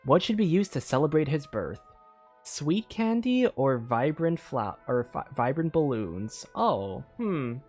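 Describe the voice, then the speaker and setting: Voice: mid-range voice, big pitch swings, measured pace, a little mellow, faint music behind. A streamer casually commenting on a story game, rambling and laughing between thoughts.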